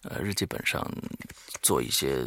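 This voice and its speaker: A man's voice: extremely low pitch, lively intonation, moderate pace, creaky, sharp tone, no room sound. A man hosting a horror audio show, reading a diary aloud dramatically and breaking off for offhand, muttered asides.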